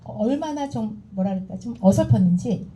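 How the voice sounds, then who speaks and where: A middle-aged woman giving a motivational seminar talk, animated and acting out the dialogue she recounts to the audience. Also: on the high side, normal speed, low-quality recording. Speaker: seminar speaker.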